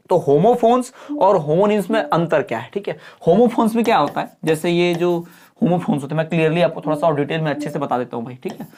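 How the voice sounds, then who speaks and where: A male teacher giving a lecture that mixes Hindi and English. He keeps asking questions and answering them himself, calls his listeners "bhai", and reads English definitions out slowly. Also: on the high side, a little mellow. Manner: asks and answers his own questions, repeating checks like "theek hai?".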